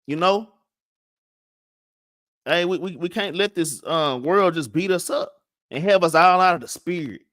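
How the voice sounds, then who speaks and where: With a high, slightly bright voice, a man with a Southern US accent teaches a casual Bible class a little slowly, leaving long pauses. He stutters, restarts often and adds "man" and "all right?" to his lines. It's studio quality with no echo.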